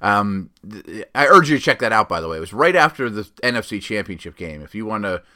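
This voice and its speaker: A man's voice: lowish voice, big pitch swings, a little fast, pushed and bright. A stuffed-up man hosting a casual football podcast on his own, talking in a loose, rambling way full of fillers and self-corrections. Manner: rambling, lots of fillers and restarts. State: sniffly, stuffed up. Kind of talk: casual solo sports commentary.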